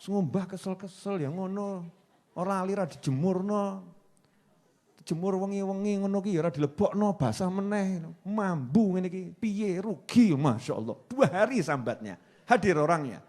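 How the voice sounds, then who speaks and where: High-voiced Javanese preacher, playful. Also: male voice, animated, normal speed, a little mellow. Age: 40s. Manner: playful, joking, mixing in Javanese, acting out quoted voices. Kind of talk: Islamic sermon.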